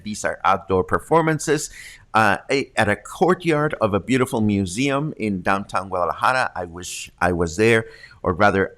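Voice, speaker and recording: A man's voice: on the low side, fairly bright tone. Congested man hosting a chatty news stream. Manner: chatty, reads viewer comments aloud. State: congested from allergies. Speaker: host of a local news livestream. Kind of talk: casual news reading and viewer chat. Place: home room with studio mic. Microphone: large studio condenser mic.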